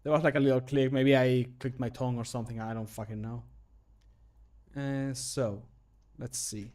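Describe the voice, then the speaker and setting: This livestreamer and mod maker, a man in his thirties, talks casually into a desk mic in a small closed room at home. His steady, mid-range voice is a little mellow and keeps a moderate pace. He rambles and drifts off topic easily.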